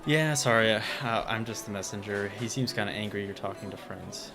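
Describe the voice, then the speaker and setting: A man's voice: fairly low pitch, a little fast, over music, lightly acted. A man playing an apologetic, hesitant young diner worker in a casual audio drama. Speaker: podcast drama actor.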